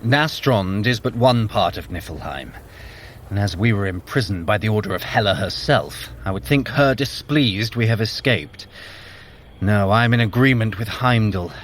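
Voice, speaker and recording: An actor playing a sly, sardonic trickster god in an audio drama, speaking in an articulate, theatrical, wry way. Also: male voice, on the low side, moderate pace, slight background noise, natural voice. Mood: scheming, guarded. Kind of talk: scripted audio drama acting.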